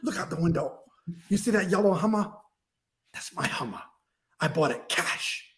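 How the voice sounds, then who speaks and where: A man's voice: high voice, animated, normal speed, fairly bright tone. A man voicing a brash, successful male mortgage boss in a mock Chinese accent, boastful and clipped.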